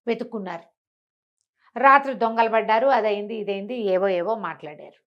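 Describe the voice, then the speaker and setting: A woman telling a story in an animated, conversational way, as an informal oral storyteller. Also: mid-range voice, fairly quick, dull audio. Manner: conversational, acts out characters' dialogue.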